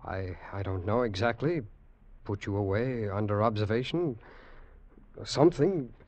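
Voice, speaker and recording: A man's voice: lowish voice, unhurried, darkish tone, close to an everyday voice. A man playing an earnest, anxious young doctor in a 1940s radio drama. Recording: dull, dry vintage radio recording.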